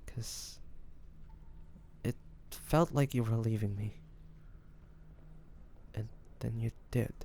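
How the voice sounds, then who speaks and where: A man playing a devoted, nervous young man in love with his best friend, speaking softly and hesitantly in an intimate romantic audio roleplay. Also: mid-range voice, slow, long pauses, a little hiss or hum. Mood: wistful. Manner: hesitant, stammering, breathy sighs.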